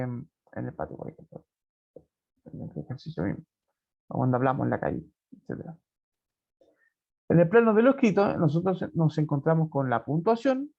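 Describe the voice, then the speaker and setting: A male teacher gives an online lecture in a somewhat high, gravelly voice. He explains patiently and keeps checking that his students follow. The sound is dull and lo-fi, as from a video call. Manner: explanatory, constantly checks in with "¿cierto?". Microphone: computer mic on a video call.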